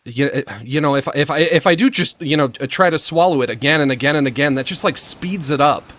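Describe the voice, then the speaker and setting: Man, squeaky high-ish voice, slurs and lisps, stammers, breathless gasps between lines, slow and halting. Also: a bit bright. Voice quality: slurred, lisping, stammering speech. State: short of breath, gasping before sentences. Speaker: streamer. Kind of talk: prerecorded monologue.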